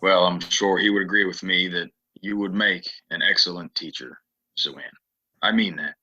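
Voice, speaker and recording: A male actor plays a troubled veteran drifter in a Western audio play. The voice is very deep and raspy, with a hard forceful edge, yet the manner is earnest, halting and polite. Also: fairly even intonation, lo-fi sound, heavily acted. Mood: gentle, reflective. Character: troubled, soft-spoken male stranger, war veteran in Western town. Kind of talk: Western audio drama acting.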